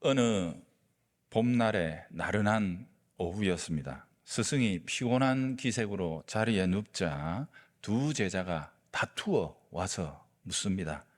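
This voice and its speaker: Guy pastor giving a sermon, low voice that swings around a lot, long hall reverb. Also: slow. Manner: lively storyteller, acts out quoted speech. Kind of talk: sermon with storytelling.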